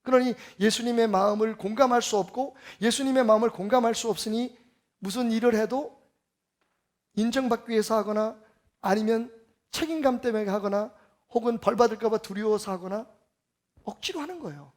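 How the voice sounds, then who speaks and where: A man giving a Sunday sermon as pastor, emphatic and full of rhetorical questions, swinging between loud and soft. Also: high-pitched, a little fast.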